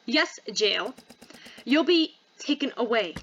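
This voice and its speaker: A woman's voice: fairly high pitch, animated, slow, a bit bright, lo-fi sound, faint music behind, heavily acted. A woman voicing a stern, commanding cult leader who speaks formally and coldly in a visual novel read-aloud. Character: stern cult leader lady passing judgment at an assembly.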